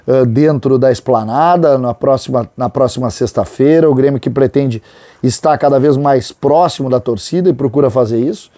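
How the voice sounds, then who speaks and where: Middle-aged man, from Rio do Sul, warm dark voice, football commentary host, opinionated and chatty, dry close lapel sound. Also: mid-range voice, no echo. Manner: conversational and opinionated, with drawn-out emphasis on key words. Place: small studio with a branded backdrop, indoors.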